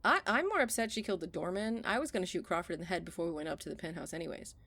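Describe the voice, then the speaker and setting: A woman's voice: lowish voice, lively intonation, very fast, fairly bright tone, husky, exaggerated voice. A woman playing a blunt, impatient, commanding heroine in an audio drama. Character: brisk, blunt, no-nonsense female action heroine. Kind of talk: audio drama comedy acting.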